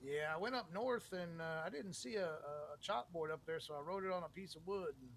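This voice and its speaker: A man's voice: fairly high pitch, a little fast, creaky, fairly bright tone, a little hiss or hum. A man chatting casually in roleplay, polite and folksy, with hesitant stammered repeats. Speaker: player in a zombie survival roleplay server. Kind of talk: casual in-character roleplay chat.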